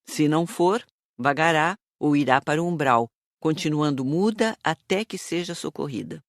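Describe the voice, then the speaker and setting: A performer playing a patient, moralizing spirit teacher, explaining in a measured, didactic way for an audiobook. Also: medium pitch, lively intonation, no room sound, studio quality, natural voice. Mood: calm, instructive. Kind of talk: audiobook character reading.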